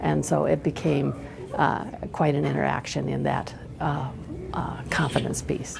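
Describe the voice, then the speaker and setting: A woman whispers at a fairly slow pace with long, frequent pauses, against noticeable background noise. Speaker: middle school reading intervention teacher. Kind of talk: interview answer.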